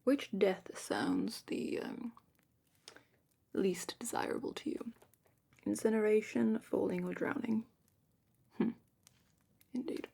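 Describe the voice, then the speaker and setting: A woman playing a calm, probing dragon-academy examiner in a whispered ASMR roleplay, speaking softly and deliberately with thoughtful pauses. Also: medium pitch, heavily acted. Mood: probing, appraising. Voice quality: soft, breathy whisper.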